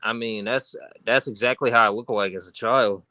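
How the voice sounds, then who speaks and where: A man's voice: on the low side, steady tone, moderate pace, pushed and bright, dry recording. A man from New York with a New York accent, chatting casually as a guest while driving in his car. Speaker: call-in guest. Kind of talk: casual chat.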